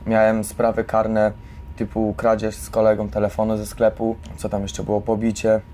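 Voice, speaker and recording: Mellow, even-toned, lowish young male voice. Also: moderate pace. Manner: informal, rambling, frequent tag questions. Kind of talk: casual personal account. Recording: some steady background noise.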